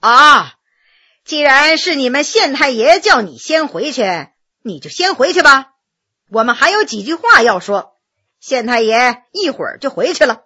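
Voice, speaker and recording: A woman's voice: high-pitched, sing-song, bright, forceful tone, full character voice. Woman playing a brash young nobleman. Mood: amused. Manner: teasing, brusque, fast.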